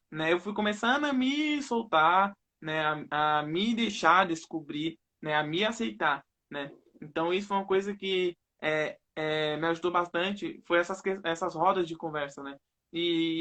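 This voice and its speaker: A young Northeastern Brazilian man on a video call, his voice sitting a bit high for a man. He keeps his regional accent and ends almost every phrase with a tag question. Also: fairly bright tone. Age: young adult. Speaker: guest. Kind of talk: personal testimony in a live interview.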